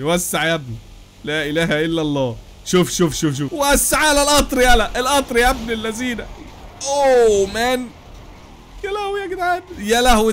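Rapid excitable Egyptian young man. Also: high voice, a little hiss or hum. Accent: Egyptian Arabic. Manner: rapid, excitable, exclaiming and laughing, addressing viewers. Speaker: gaming YouTuber. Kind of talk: excited gameplay commentary.

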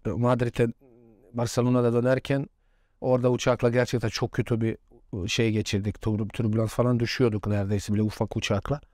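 A man's voice: medium pitch, darkish tone, no echo, clean studio sound. A former footballer in his forties, a man, telling stories in a casual interview and laughing often. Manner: chatty anecdotes with frequent laughs.

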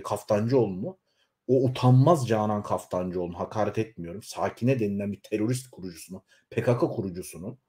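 A man in his forties delivering a heated political rant straight to his viewers, scolding and shaking with anger, his voice swinging up into shouts. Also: on the low side. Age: 40s. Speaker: YouTuber. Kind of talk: angry political rant to camera.

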